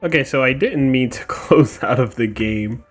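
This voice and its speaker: A man's voice: mid-range voice, normal speed, noisy background. A man hosting a casual let's play, chatting informally and reacting aloud to the game. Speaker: gaming video host.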